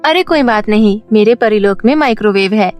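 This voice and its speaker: A woman's voice: medium pitch, animated, a little fast, soft background music, lightly acted. A woman voicing a cheerful, generous young fairy who loves food, chirpy and friendly, in a children's story cartoon. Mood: eager, friendly.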